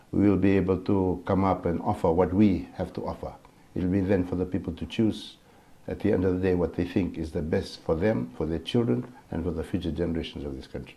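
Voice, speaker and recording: Very deep and low with a dark, mellow tone and vocal fry, a man's voice moves at a fairly quick pace. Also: ordinary pitch variation. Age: 60s. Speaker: opposition politician. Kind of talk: TV interview.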